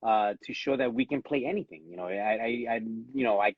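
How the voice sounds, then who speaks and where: Cuban-American actor with a Latino accent. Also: male voice, mid-range voice, fairly quick, breathy edge, no room sound, dull audio. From born in Los Angeles, raised in Miami. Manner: earnest, repeats words when starting sentences. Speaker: actor, interview guest. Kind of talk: casual live interview. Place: at home.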